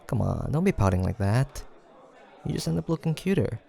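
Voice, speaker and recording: A man acting a playful, creaky-voiced teasing guy friend. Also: mid-range voice, very animated, brisk, mellow. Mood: fond teasing. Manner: playful teasing, frequent chuckles, casual banter. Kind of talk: improvised audio roleplay addressed to the listener.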